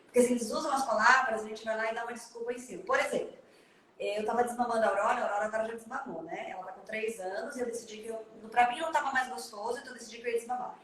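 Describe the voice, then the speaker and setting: Fast-talking Brazilian woman on an echoey call. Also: fairly high pitch, steady tone, a bit bright, recorded from a distance, slight background noise. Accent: Brazilian Portuguese. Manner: fast, emphatic, explanatory. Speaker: parenting consultant. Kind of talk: live consultation video call. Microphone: video call.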